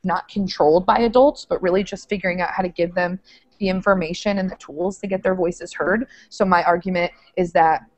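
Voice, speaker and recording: A woman's voice: fairly low pitch, darkish tone, no echo, rough recording. A young woman teacher on a video call, talking eagerly with many filler words from a small room with bookshelves, through an earphone headset. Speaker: social studies teacher.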